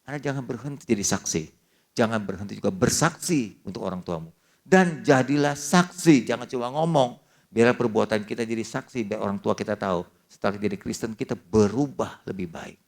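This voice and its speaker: An older man preaching a sermon as pastor, telling a family story in a lively way and mixing casual slang into it. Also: fairly low pitch, brisk.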